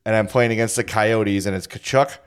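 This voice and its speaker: A man's voice: fairly low pitch, fairly even intonation, brisk, smooth. A man in his forties hosting a casual sports podcast, jokey and self-deprecating, laughing often. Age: 40s. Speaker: podcast host.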